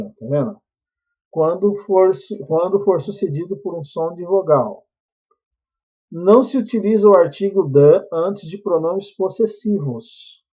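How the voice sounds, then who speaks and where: A Brazilian man teaching a class, with a somewhat high voice that is warm and husky. He explains patiently and keeps checking in with his students with quick tag questions. The recording sounds dull and lo-fi. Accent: Brazilian Portuguese.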